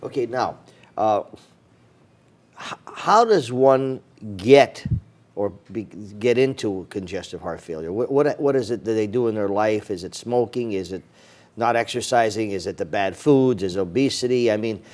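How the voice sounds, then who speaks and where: A man's voice: lowish voice, animated, moderate pace, a little mellow. Rambling folksy male talk show host. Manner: rambling, filler-heavy, folksy. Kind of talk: local TV talk show interview.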